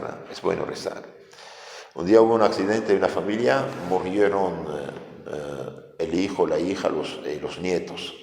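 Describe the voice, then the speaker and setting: A priest teaching catechism with a French accent, preaching in a lively way and asking his listeners questions. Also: low voice, vocal fry. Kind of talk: catechism sermon. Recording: echoey hall.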